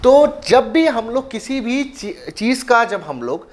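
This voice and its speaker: A man's voice: extremely high pitch, big pitch swings, slow. A man from India teaching an exam-prep engineering lecture, switching freely between two languages and explaining with playful everyday examples. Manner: mixes Hindi and English freely.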